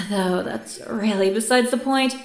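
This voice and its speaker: A woman's voice: fairly high pitch, slow pace. A woman playing a condescending, wordy scientist in an audio drama, with theatrical delivery. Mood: lecturing, airy. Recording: roomy, echoing sound.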